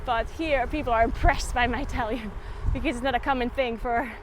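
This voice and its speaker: A woman's voice: fairly high pitch, fairly even intonation, a little fast. A German-speaking woman chatting with her live viewers while cycling outdoors, laughing often and out of breath. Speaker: streamer. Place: outdoors on a road while biking. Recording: outdoor wind and traffic noise.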